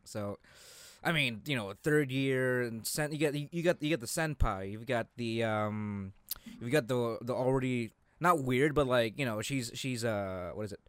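A young man co-hosting a casual anime chat, haltingly repeating words as he searches for his phrasing. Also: medium pitch, smooth, no room sound. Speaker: co-host of an anime discussion show.

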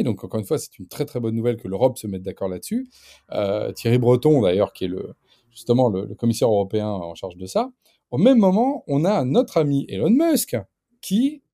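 Animated man with a dark, dry voice. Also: mid-range voice, no echo. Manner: animated, emphatic, many fillers and restarts. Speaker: guest commentator. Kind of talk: casual radio discussion.

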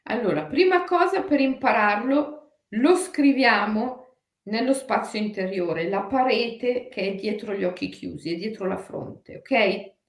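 A woman teaching a guided spiritual lesson, drawing out chanted syllables slowly and answering viewers by name. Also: medium pitch, animated. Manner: slow, drawn-out chanting of syllables. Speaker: meditation teacher. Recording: roomy echo.

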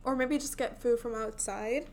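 A woman's voice: fairly high pitch, steady tone, moderate pace, vocal fry, a little mellow, a little hiss or hum. A young woman from India with a light Indian accent, chatting casually about her own experiences and filling her talk with "like" and restarts. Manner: chatty, filler-heavy, many "like"s and restarts. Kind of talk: casual personal chat.

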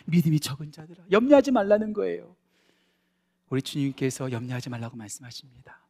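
High-voiced pastor preaching with swinging intensity. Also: male voice, quick pace, creaky. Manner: animated, swings from loud emphatic lines to soft confiding asides; conversational, asks the congregation questions. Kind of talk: sermon.

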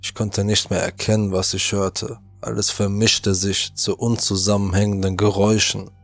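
A man narrating a first-person horror story in a tense voice, acting out his own shouted lines. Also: fairly low pitch, creaky, no room sound.

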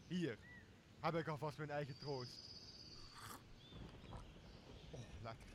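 A man's voice: fairly high pitch, moderate pace, background noise, lightly acted. A young man playing a boozy, blustering, greedy castaway in a Shakespeare radio play, with a coarse and bossy manner. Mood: tipsy, self-pitying. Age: young adult. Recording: clear outdoor nature sound behind voice.

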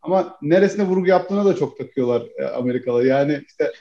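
A man's voice: a little high, animated, fast talker, dark tone. A man from Turkey chatting casually with friends, laughing often and calling them "abi". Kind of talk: casual chat. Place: living in the United States. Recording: dull roomy home recording.

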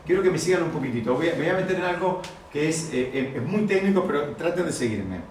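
A man's voice: a little high, expressive, quick pace. A man teaching a Torah class, explaining step by step and asking his listeners rhetorical questions. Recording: very echoey room, distant mic, faint noise.

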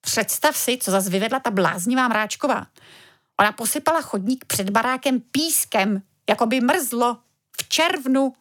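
A woman's voice: fairly high pitch, expressive, a bit bright. A woman voicing a boisterous father who loves his dumplings, in a children's storybook reading. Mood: hearty. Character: excitable dumpling-loving father, grown man.

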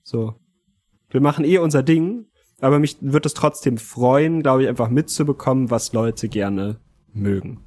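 Guy podcast co-host, medium pitch, loose slangy chat. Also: moderate pace, darkish tone. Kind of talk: casual chat.

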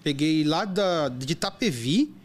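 A man chatting casually, an app driver telling animated stories and acting out the voices in them. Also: fairly high pitch, measured pace. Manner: animated storyteller, acts out quotes. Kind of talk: casual chat.

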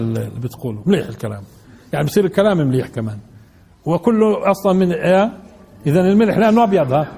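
A man's voice: a little high, darkish tone, slightly rough. A man teaching a class, asking his listeners questions and repeating key words. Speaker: sheikh teaching Quran commentary. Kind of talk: classroom lesson in colloquial Arabic.

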